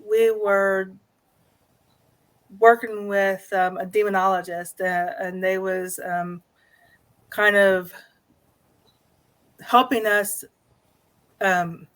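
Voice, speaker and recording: A woman telling a personal story as an interview guest, speaking in a halting, tentative way. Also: medium pitch, flat delivery, a bit bright, smooth. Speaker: guest, new paranormal investigator.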